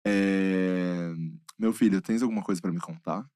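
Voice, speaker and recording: A man's voice: low-pitched, steady tone, unhurried, darkish tone, clean tone, no room sound, clean studio sound. A man co-hosting a podcast, speaking earnestly and reflectively in casual chat. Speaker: podcast co-host.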